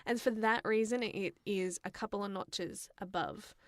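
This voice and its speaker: A young woman chats casually as a podcast co-host. Her voice sits at an ordinary pitch for a woman. The sound is dry, with very little room around it, and her delivery is loose and conversational. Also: normal speed, no echo. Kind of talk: casual chat about films and games.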